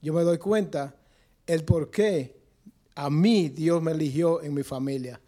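A man from the congregation giving a spontaneous testimony at a church service, halting and repeating words as he searches for them. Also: fairly high pitch, mellow.

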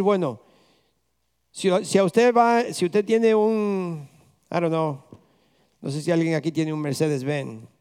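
A man's voice: high voice, a little mellow, clear, resonant tone. A man preaching a conversational sermon as pastor, firing rhetorical questions at the congregation and slipping English words into his talk.

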